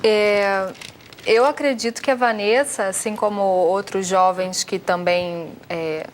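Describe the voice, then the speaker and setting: Brazilian woman panelist, mid voice, measured, explanatory, pauses to think. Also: mid-range voice, fairly even intonation, slight background noise. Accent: Brazilian Portuguese. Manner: measured, explanatory, hesitant fillers. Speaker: guest panelist. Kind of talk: talk show discussion.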